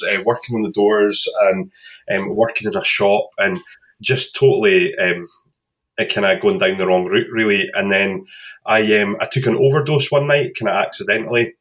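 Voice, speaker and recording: A man's voice: lowish voice, low-quality recording. A Scottish man from Glasgow, a podcast guest, telling his story casually with lots of ums. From Scotland. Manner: relaxed, many fillers like um and kinda.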